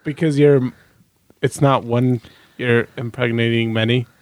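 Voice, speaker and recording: A man's voice: medium pitch, fairly even intonation, unhurried, dry recording. A man chatting and joking casually as a co-host on a comedy radio show.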